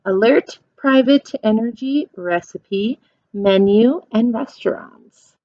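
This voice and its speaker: A woman doing a children's read-aloud as a teacher, explaining things in simple questions and animated, encouraging asides. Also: fairly high pitch, slow, dry recording, muffled recording.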